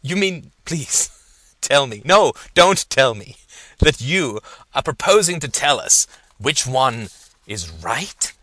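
A man's voice: medium pitch, sing-song, normal speed, pushed and bright, dry recording. A man playing a bemused, condescending male professor who exclaims in disbelief. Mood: incredulous. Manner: incredulous, exclaiming.

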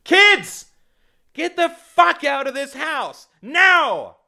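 A man's voice: mid-range voice, slow pace, darkish tone, no echo, clean studio sound. A man voicing a furious, bitter wife who shrieks orders at her family in a dramatic story. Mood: enraged. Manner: shrieking, commanding, breaking off.

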